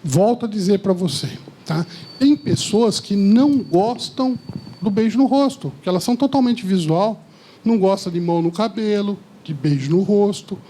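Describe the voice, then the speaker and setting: A man giving a lively seminar talk to a live audience, often asking the listeners questions. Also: high voice, moderate pace, a little hiss or hum. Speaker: speaker at a seminar. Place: lecture hall with audience.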